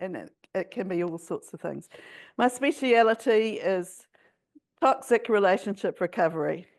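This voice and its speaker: Using ordinary pitch variation, a woman with a New Zealand accent talks at a medium pitch. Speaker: therapy trainer and coach. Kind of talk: conference talk. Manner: casual, with many fillers.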